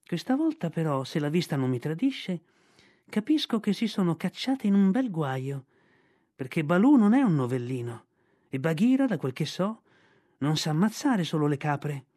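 A man's voice: a little high, sing-song, moderate pace, mellow. A man voicing a sly male kite bird with a sneering, knowing way of talking.

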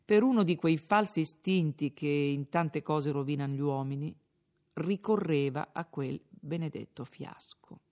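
A man reading a classic novel aloud in measured, quiet storytelling narration. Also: high voice. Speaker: audiobook reader. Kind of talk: scripted literary narration.

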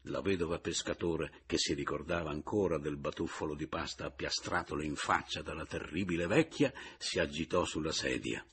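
A man reading a literary novel aloud as an audiobook narrator, in a measured, reflective first-person voice. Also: a bass voice, a bit bright, a little hiss or hum.

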